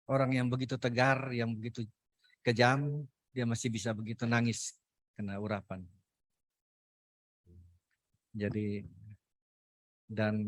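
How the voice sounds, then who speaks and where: A man's voice: on the low side, no room sound. Earnest man giving a church testimony. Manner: earnest and emotional, breaking off and restarting phrases. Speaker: testimony speaker at a Christian business fellowship. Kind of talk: personal religious testimony.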